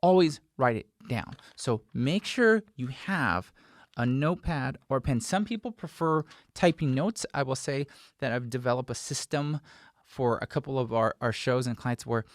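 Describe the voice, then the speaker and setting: Speaking at a moderate pace with medium pitch and expressive delivery, this forties-aged American sound mixer hosts a conversational how-to talk, pressing his advice hard. A close desk mic in a small post-production studio captures dry, studio-quality sound.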